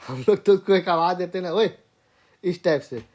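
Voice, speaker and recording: A brisk man with a high-pitched, slightly mellow voice teaches grammar in an informal lecture; the recording has its highs cut off. He explains step by step, often checking in with his students using "theek hai".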